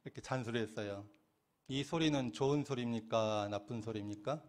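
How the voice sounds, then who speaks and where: A man's voice: mid-range voice, a little fast. A middle-aged man giving a sermon as a minister. He keeps putting questions to the listeners, then answers them himself with a laugh now and then. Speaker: Won Buddhist minister.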